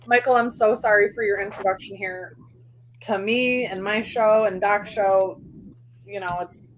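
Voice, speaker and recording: A woman's voice: medium pitch, steady tone, a little slow, slight background noise, rough recording. A woman hosting a casual panel, enthusiastic and swearing freely. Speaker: show host. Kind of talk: casual chat.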